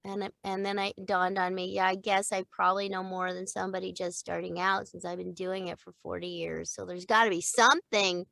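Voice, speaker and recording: A middle-aged woman, a voice-over teacher, chatting in an interview in an animated way, laughing often and acting out example lines. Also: lowish voice, brisk, vocal fry, hardly any pauses, no room sound. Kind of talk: casual interview chat.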